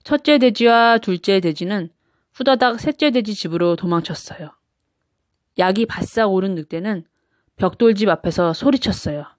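A woman storyteller narrating a children's storybook with expressive, simple read-aloud phrasing for small children. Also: mid-range voice, normal speed, no room sound, clean studio sound.

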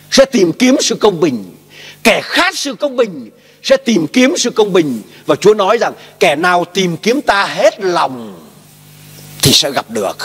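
A male pastor preaching a sermon emphatically, posing questions and asking the congregation to repeat after him. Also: high voice. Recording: long hall reverb.

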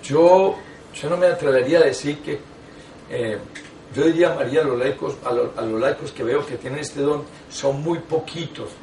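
Older priest telling stories animatedly. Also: male voice, a little high, moderate pace, distant mic, slight background noise. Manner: animated storytelling with frequent asides and restarts. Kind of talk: teaching talk to a lay audience. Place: small indoor meeting room. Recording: echoey room, taken from afar.

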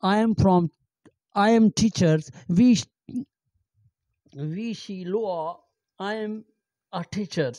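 A middle-aged man giving an amateur language lesson, halting and repeating phrases with many fillers, speaking into a handheld microphone in a small room. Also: high-pitched, darkish tone, no echo. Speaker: language teacher. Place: small indoor room with green backdrop.

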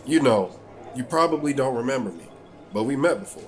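An actor playing a kindly police officer in an audio drama, gentle, informal and reassuring. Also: male voice, medium pitch, expressive, fairly quick, soft background music, natural voice. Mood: friendly. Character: kindly, plain-spoken male police officer. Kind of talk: scripted audio drama acting.

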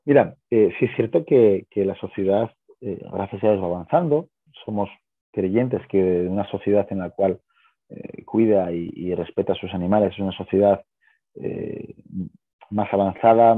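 On a thin, phone-like video call, a man with a fairly low, notably husky voice explains things at a moderate pace, dropping in small checking questions. The recording is dry with very little room around him, and he's a guest who co-founded a pet business.

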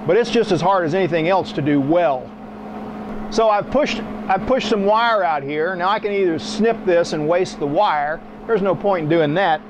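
High-voiced middle-aged man teaching welding. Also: background noise. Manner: folksy, blunt, plainspoken; demonstrating at the machine while talking. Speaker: welding instructor. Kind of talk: hands-on tutorial. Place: small indoor welding workshop.

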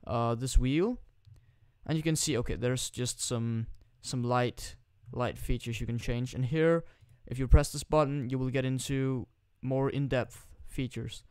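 A man's voice: mid-range voice, a little mellow, clean tone, dry recording, clean studio sound. Teen boy with a put-on British accent. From Denmark. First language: Danish. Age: teens. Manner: rambling, joking and crude, with frequent restarts. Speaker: gaming YouTuber. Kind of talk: casual screen-recording tutorial commentary. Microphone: new desktop microphone.

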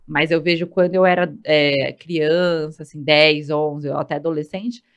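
A woman's voice: sits low, steady tone, normal speed, lo-fi sound. A Brazilian woman hosting a podcast, chatting casually and sharing her own life. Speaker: podcast host. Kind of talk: casual interview.

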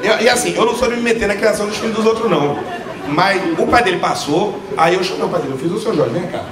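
A man in his thirties with a Northeastern Brazilian accent doing an animated stand-up set into a handheld mic, acting out quoted voices. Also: high-pitched, fast, recorded from a distance, crowd noise. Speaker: stand-up comedian. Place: theater stage before a live audience. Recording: roomy theater sound with loud laughter.

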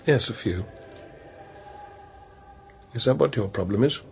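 An actor playing a tormented but gentle Catholic priest in a radio drama, speaking in a halting, intense and brooding way. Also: male voice, medium pitch, animated, vocal fry, slight background noise. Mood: gentle, musing. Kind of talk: radio drama acting, interior monologue and dialogue.

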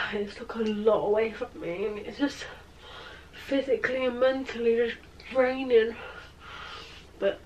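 A young woman vlogging at home, tired and in pain, talking in halting phrases with sighs. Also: fairly high pitch, a little hiss or hum, low-quality recording. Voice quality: hoarse morning voice. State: in pain and exhausted. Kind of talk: casual vlog to camera. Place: at home, indoors. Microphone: phone camera held close.

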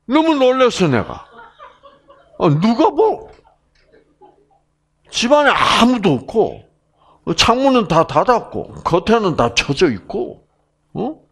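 Brief: male lecturer, unhurried delivery, animated storyteller who acts out sounds. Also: high-pitched. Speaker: health lecturer.

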